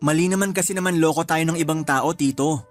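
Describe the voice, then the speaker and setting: A man's voice: fairly high pitch, quick pace, lightly acted. A man playing a reluctant young nephew who questions his uncle in a radio drama. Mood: reproachful. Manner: reproachful, jumpy. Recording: music underneath.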